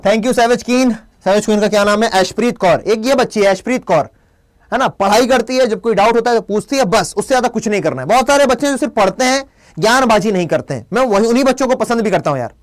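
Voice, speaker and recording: A man's voice: high voice, animated, fast. A young man with a Hindi accent teaching a live online English class, playful and scolding his chat commenters. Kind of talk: live class with quiz questions.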